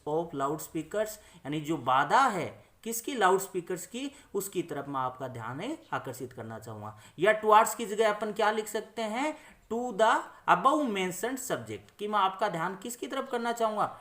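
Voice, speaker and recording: A man teaching in a classroom style, repeating points, asking questions and answering them himself, and slowing down for English phrases. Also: high-pitched, animated, a bit bright. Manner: switches between English phrases read slowly and explanation. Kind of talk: classroom-style lesson explanation.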